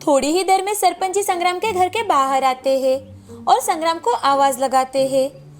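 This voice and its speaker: A woman tells a cartoon story in a high, clear voice, keeping a steady storybook pace. Faint background music runs throughout. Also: normal speed. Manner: clear, even storytelling delivery. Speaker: narrator. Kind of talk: scripted storybook narration.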